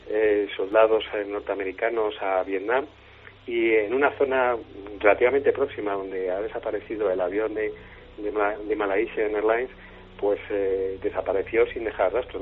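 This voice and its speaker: Low flat man over a tinny line. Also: slight background noise. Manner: halting, many fillers. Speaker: investigator, radio guest. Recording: tinny phone-like radio clip.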